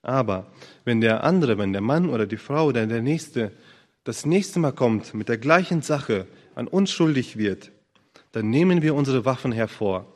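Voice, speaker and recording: Earnest preacher in a reverberant hall. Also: male voice, medium pitch, animated, normal speed, a little mellow. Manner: earnest, searching, with fillers and restarts. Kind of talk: sermon.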